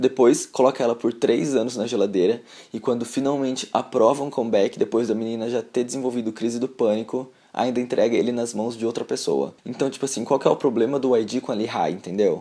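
A man's dark, mellow voice at a medium pitch, fairly quick in pace, with fairly even intonation. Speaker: YouTuber, K-pop commentator. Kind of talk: vlog commentary. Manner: conversational, indignant.

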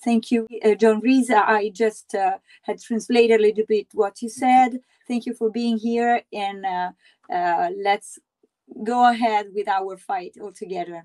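A woman's fairly high voice with an Italian accent, ordinary pitch variation and a fairly slow pace against a quiet background. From Italy. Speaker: radio interviewer. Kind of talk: interview. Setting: studio. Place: home room. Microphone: video call.

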